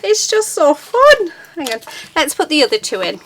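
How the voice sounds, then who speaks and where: A woman's voice: high voice, wildly swooping pitch, normal speed, fairly bright tone, slight background noise. A woman hosting a casual, chatty craft demonstration at a desk, with an enthusiastic, chirpy manner. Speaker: crafting channel host.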